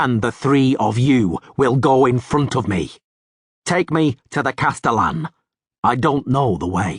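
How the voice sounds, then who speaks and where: A put-on, growling, robotic character voice at a fairly slow pace. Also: man, medium pitch for a man, quiet background. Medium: read story. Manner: quiet, terse.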